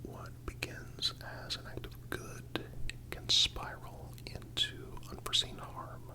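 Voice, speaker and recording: Slow, soothing ASMR whisperer. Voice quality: soft, breathy unvoiced whisper. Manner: soothing, measured, contemplative. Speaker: ASMR narrator. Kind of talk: whispered ASMR scripted philosophical narration.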